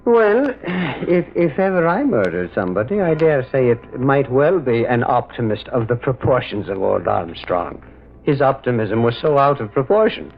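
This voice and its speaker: An actor playing a gentle, shrewd priest detective in an old-time radio mystery, wry and curious, musing in a hesitant, folksy way. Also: male voice, mid-range voice, big pitch swings, normal speed. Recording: muffled old radio recording.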